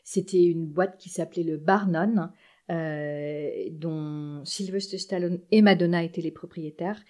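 Podcast guest, woman, 40s, low-set voice, chatty and halting storyteller. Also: steady tone, a little mellow. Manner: chatty, hesitant, with many restarts. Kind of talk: casual anecdote telling.

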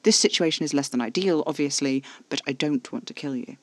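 A man's voice: fairly high pitch, fairly quick, no echo, natural voice. A man voicing a frustrated, possessive male vampire in a storybook, with formal, exasperated speech. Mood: intense, possessive. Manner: haughty, exasperated, formal wording.

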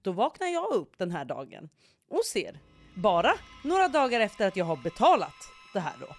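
Animated young Swedish podcast host woman. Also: mid-range voice, soft background music. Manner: animated, swears, acts out quotes. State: pregnant. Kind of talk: casual chat.

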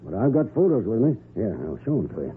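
An actor playing a gruff, folksy small-town police sheriff with a rustic drawl in a 1940s radio drama. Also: male voice, fairly low pitch, very animated, fast. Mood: plain, helpful. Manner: folksy, plain-spoken. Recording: muffled, noisy 1940s radio recording.

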